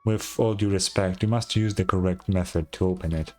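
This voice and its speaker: A man voicing a courteous, earnest tribal scholar in a video game, formal and deliberate. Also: deep voice, steady tone, a little mellow, faint music behind, natural voice. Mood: reverent. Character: scholarly, courteous, earnest tribal guide explaining ancient lore.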